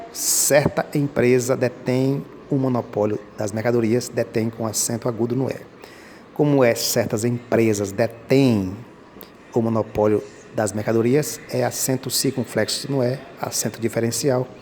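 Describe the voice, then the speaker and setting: With a darkish, medium-pitched voice and a faint hiss or hum in the recording, this man teaches Portuguese grammar. Commenting on exam questions, he moves step by step, talks right to his audience, and keeps patiently repeating what matters most.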